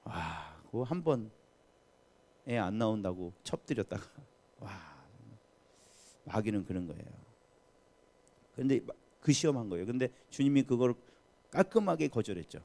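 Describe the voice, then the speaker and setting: A man's voice: on the low side, sing-song, normal speed, creaky, pauses often, dark tone. A man preaching a sermon as pastor at a midweek prayer service, talking emphatically and putting questions to the congregation.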